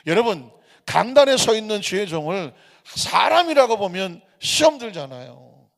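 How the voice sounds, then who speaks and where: A man's voice: sits high, very animated, normal speed, gravelly, a bit bright, in a large hall. A man from Seoul preaching a sermon as pastor, keeps firing rhetorical questions at the congregation. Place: church sanctuary.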